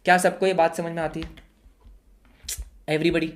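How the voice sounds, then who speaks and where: A man teaching an online class, lively and full of quick yes-or-no questions for his students, slipping English terms into his speech. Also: a little high. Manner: energetic, fires rhetorical yes-or-no questions at students.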